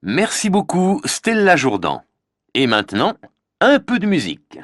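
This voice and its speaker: A man playing a radio show host in a scripted learner dialogue, with a cheerful, animated manner. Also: a little high, unhurried, no echo, clean studio sound.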